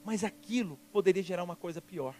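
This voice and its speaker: A man preaching a sermon as pastor, telling personal stories in an emphatic, lively way. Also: high voice, fast, faint music behind.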